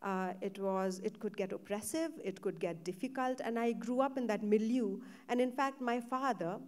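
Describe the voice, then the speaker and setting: A woman from Nepal, a novelist being interviewed on a festival stage, talking reflectively with pauses and fillers. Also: mid-range voice, a little mellow, a little hiss or hum. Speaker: novelist, guest. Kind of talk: literary panel interview.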